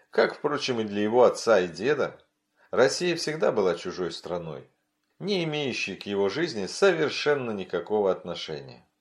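Low, lively male audiobook narrator.

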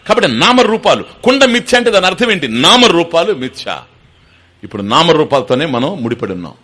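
Lively, bright-toned older man teaching. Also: a little high, quick pace, husky. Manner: explanatory, asks the audience questions, mixes in English terms. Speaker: spiritual teacher. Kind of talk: Vedanta discourse to an audience.

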